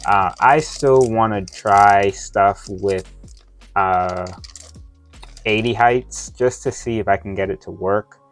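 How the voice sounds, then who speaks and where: A man wearing dental retainers that give him a slight lisp, chatting casually through an unboxing review in a halting, rambling way. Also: fairly low pitch, faint music behind. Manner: halting, rambling, often losing his thread. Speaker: toy review vlogger. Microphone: close microphone within his reach.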